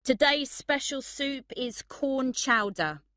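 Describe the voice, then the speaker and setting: A woman's voice: high-pitched, animated, slow pace, bright, forceful tone, no echo, clean studio sound, pitched above the performer's own voice, full character voice. A woman reading the lines of a male restaurant manager who announces the day's dishes to his staff in a raised, announcing voice.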